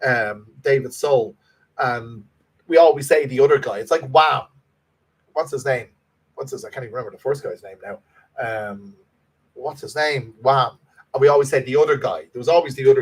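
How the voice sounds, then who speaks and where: The speaker has a Dublin accent and a somewhat breathy sound. Long pauses come often, and the loudness swings widely. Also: man, fairly high pitch for a man, ordinary pitch variation, moderate pace. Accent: Irish (Dublin). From Ireland, Dublin. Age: 50s. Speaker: YouTuber live streamer. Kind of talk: casual live stream chat. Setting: live stream. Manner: halting, many false starts and repeats.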